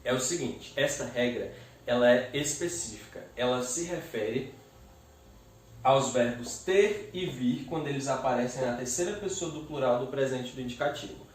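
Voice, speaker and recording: A man teaching a grammar lesson, explaining step by step and slowly splitting words into syllables. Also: medium pitch, distant mic. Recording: echoey room, voice away from the mic.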